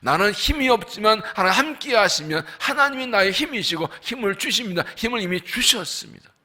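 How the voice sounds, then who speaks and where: A man preaching a dawn revival sermon as senior pastor, swinging between fervent outbursts and hushed asides and acting out the dialogue of biblical figures. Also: high voice, lively intonation, a little fast.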